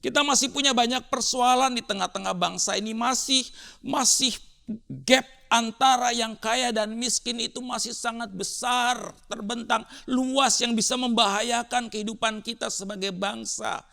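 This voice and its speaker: Bright-voiced man preaching, high and creaky. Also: fairly even intonation, moderate pace. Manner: rhetorical, emphatic repetition with dramatic rises and drops in delivery. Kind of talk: sermon.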